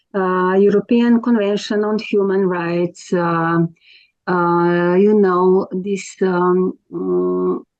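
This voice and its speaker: Very slowly and in a monotone, flat intonation, a woman with a Slovenian accent speaks at medium pitch. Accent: Slovene. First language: Slovene. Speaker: activist. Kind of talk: video call discussion. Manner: halting.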